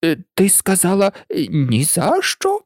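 A woman voicing a timid, anxious male white rabbit who talks in a nervous, hushed way in an audiobook. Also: fairly low pitch, huge pitch swings, measured pace, dry recording, clean studio sound, voice pushed up, heavily acted. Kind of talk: audiobook character voice.

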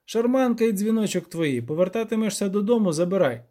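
A man's voice: high voice, animated, a little fast, dark tone, pitched above the performer's own voice. A man voicing a cheeky, dramatic young male poet who exclaims and teases. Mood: excited. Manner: mocking, exclaiming.

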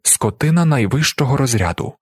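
Husky man narrating, lively. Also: medium pitch, brisk, no echo, clean studio sound. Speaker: audiobook narrator. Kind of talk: literary narration.

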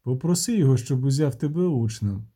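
A man's voice: medium pitch, animated, brisk, warm tone, husky. A man voicing a dry, laconic male witcher.

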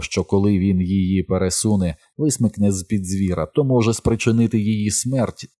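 A man reading a novel aloud as an audiobook narrator, in steady, measured storytelling. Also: low-pitched, slightly rough. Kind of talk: scripted narration.

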